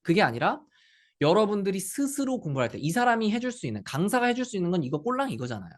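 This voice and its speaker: Animated Korean man teaching English listening. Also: high voice, fast talker. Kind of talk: animated lecture.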